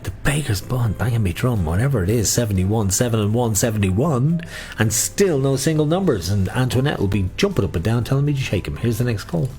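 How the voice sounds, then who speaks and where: A man's voice: mid-range voice, animated, brisk, darkish tone, soft background music. A middle-aged Irish man working as a bingo caller, calling numbers in a sing-song way with repeats and mixing in casual chat.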